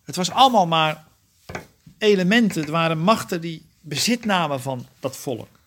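A man's voice: on the high side, lively intonation, moderate pace, a bit bright. A man leading a Bible study, explaining scripture verse by verse and often checking with his listeners. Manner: earnest, often asks the group questions; explains verse by verse, self-correcting. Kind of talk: interactive Bible teaching.

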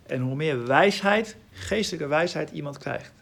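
A man's voice: a little high, animated, measured pace, gravelly, a bit bright. A man giving informal Bible teaching in Dutch, reading scripture aloud and explaining it with emphasis.

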